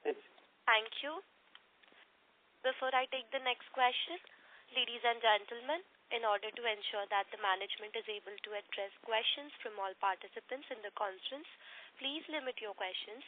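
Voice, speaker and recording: A woman's voice: a little high, normal speed. A woman moderating a conference call with formal, scripted announcements. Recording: hissy narrow phone line.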